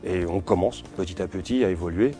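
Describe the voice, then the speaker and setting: A man's voice: low-pitched, a little fast, mellow, faint music behind. A man in his forties, from Portugal, answering interview questions in a hesitant way, with many fillers and restarts. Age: 40s. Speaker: security company owner.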